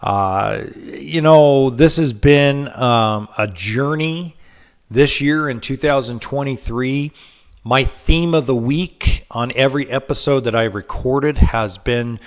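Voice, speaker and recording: A man's voice: mid-range voice, slow pace, smooth. A man with a head cold hosting a podcast, telling a story in a casual monologue, full of ums and restarts. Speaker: podcast host.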